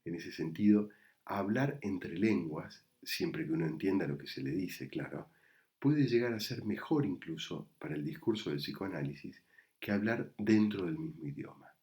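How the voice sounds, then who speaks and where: A man with an Argentine Spanish accent, a psychoanalyst giving a prepared talk recorded remotely in a measured, reflective way. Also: low-pitched, a little mellow. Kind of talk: prepared lecture read to camera. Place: recorded remotely, not in the event hall.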